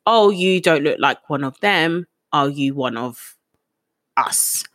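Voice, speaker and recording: A young adult woman, co-hosting a casual podcast chat in a chatty, animated way. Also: low voice, dry recording, clean studio sound. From Ghana heritage, raised in England. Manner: animated, chatty, quick asides. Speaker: podcast co-host.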